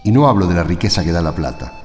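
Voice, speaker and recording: A man acts out an impassioned Argentine village priest for a radio drama. His voice is fairly low and very animated, pressing his parishioners with emphatic questions. It rings in a reverberant hall with music underneath. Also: fast. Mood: earnest, exhorting.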